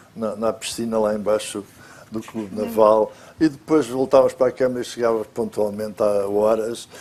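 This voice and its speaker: This man has a dark, mellow tone at a medium pitch. He keeps a moderate pace with fairly even intonation. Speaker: architect, panel guest. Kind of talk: panel discussion.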